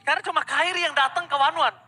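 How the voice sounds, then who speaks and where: A man with an Indonesian accent commentating live esports play-by-play like a hyped fighting game announcer, with dramatic drawn-out calls. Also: extremely high pitch, fairly even intonation, sharp tone. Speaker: esports shoutcaster.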